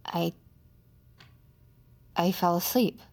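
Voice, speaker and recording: A woman's voice: lowish voice, very slow, exaggerated voice. A woman playing a frantic mother. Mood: worn down. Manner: strained, pleading, cracking into shouts. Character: frantic young mother searching for her son. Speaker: mother of a missing boy, narrator. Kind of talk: audio drama acting and narration.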